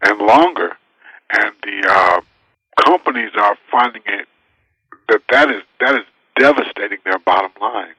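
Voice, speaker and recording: A man's voice: lowish voice, expressive, unhurried, sharp tone, breathy edge, no echo, low-quality recording. A man appearing as a financial advisor guest, speaking emphatically and with assurance, sometimes asking rhetorical questions. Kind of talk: interview answers.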